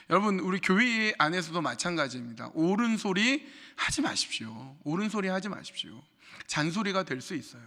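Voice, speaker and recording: A man's voice: on the high side, pushed and bright, in a large hall. A middle-aged pastor preaching a sermon to his congregation, speaking to them directly with rhetorical questions and acting out other people's words in changed voices. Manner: acts out quoted speech in changed voices. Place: church sanctuary.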